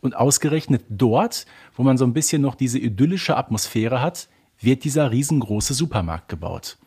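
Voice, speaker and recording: Husky man co-hosting a podcast. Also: medium pitch, expressive, normal speed, warm tone. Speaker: podcast co-host. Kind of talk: conversational podcast discussion.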